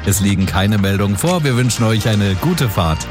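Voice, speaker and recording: A man presenting the weather and traffic on the radio in a friendly, brisk manner. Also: on the low side, lively intonation, over loud music.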